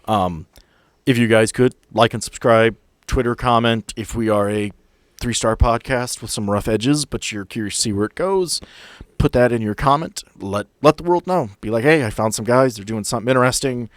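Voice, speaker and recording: A man's voice: medium pitch, normal speed, few pauses, no room sound, clean studio sound. A man talking casually as game master and host of a tabletop role-playing podcast.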